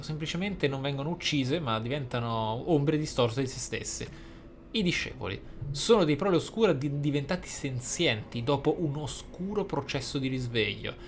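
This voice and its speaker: A man hosting a role-play gaming video, commenting and reading in a reflective, explanatory manner. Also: medium pitch. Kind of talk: role-play game commentary, some reading aloud of in-game text. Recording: faint noise and game ambience.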